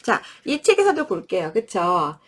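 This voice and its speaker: A woman's voice: lowish voice, unhurried. A woman in her thirties giving a friendly parenting lesson, acting out words with gestures and sounds and often asking her listeners "right?". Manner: animated, acts out words with lively gestures and sounds. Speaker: early-childhood education presenter.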